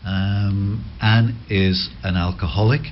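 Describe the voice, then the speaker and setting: A man hosting a radio station interview in the studio, asking gentle, rambling questions with many restarts. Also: lowish voice, fairly even intonation, slow pace, highs cut off, slight background noise. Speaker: radio host.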